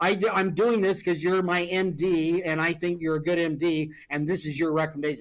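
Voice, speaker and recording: A man with an American accent speaks in a high voice. His pace is fairly quick. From Kansas, US Midwest. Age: 60s. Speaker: dentist and entrepreneur. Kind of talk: podcast interview. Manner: animated.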